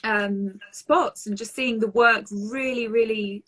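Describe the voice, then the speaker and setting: A woman's voice: fairly high pitch, steady tone, takes it slowly, pushed and bright. A woman hosting an interview who asks her questions hesitantly, with many ums and restarts. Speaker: interview host. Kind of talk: casual interview chat.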